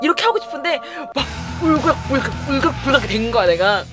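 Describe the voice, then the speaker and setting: A young woman vlogger telling a story to camera in a casual, animated way, acting out quotes and laughing often. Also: high-pitched, fast talker, music in the background.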